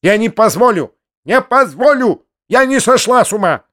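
A man's voice: high voice, expressive, normal speed, fairly bright tone, voice pushed up. A man doing a shrieking furious noblewoman. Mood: raging. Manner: shrieking, scolding tirade. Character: furious shrill middle-aged noblewoman, screeching. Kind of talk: audiobook character voice.

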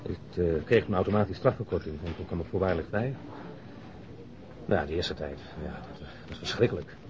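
A nervous, humbled ex-convict, apologetic and quick despite hesitant starts. It sounds like a radio play, with clear background noise. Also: male voice, low-pitched, animated. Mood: confessional. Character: nervous, humbled male ex-convict turned provincial reporter. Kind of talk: Dutch radio drama dialogue. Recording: dull, noisy lo-fi radio drama recording.

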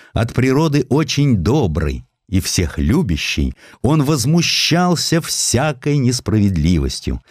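A man narrating historical essays from a script in an expressive storytelling way, with ironic, conversational asides. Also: on the low side, no echo, studio quality. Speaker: audiobook narrator. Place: studio.

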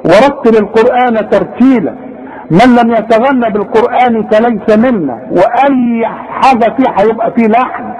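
A man with an Egyptian accent teaching Quran recitation, patiently correcting a student and demonstrating each sound slowly. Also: extremely high pitch, a little mellow. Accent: Egyptian Arabic. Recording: long reverb, echoey room.

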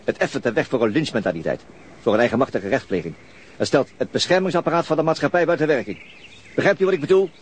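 An actor playing a gruff, world-weary middle-aged detective and father in a naturalistic radio drama. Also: mid-range voice, expressive, quick pace, a little hiss or hum, lightly acted. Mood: stern, lecturing.

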